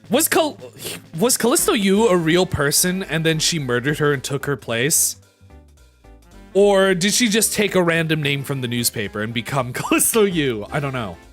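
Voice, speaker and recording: Excitable let's-play streamer, very animated pitch, mid register, game music underneath. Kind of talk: video game let's play, reading dialogue aloud and reacting.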